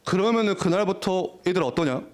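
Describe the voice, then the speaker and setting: A young man preaching a lively, jokey youth sermon in a church, often acting out teenagers' voices. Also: sits high, a little fast. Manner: animated, jokey, acts out teen voices. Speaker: youth pastor. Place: church worship hall.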